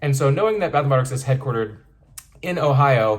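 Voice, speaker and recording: Talking at a very fast pace, a man with an American accent sounds somewhat breathy and shows ordinary pitch variation. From US, Western Pennsylvania. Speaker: candle reviewer. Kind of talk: product review.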